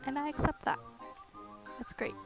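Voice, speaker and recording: A woman's voice: high-pitched, huge pitch swings, moderate pace, low-quality recording. A woman chatting casually on a live stream while she carves, with a groggy morning voice, giggling, rambling and humming to herself. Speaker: streamer carving pumpkins. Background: music playing in the background.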